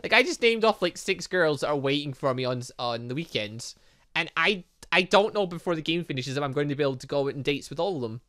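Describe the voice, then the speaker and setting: A man's voice: a little high, lively intonation, fast talker, a bit bright. A young man playing a visual novel on his channel, reading the dialogue aloud and rambling through a chatty outro. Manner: chatty, rambling, humming filler sounds. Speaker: gaming YouTuber. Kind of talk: let's play commentary, reading dialogue aloud.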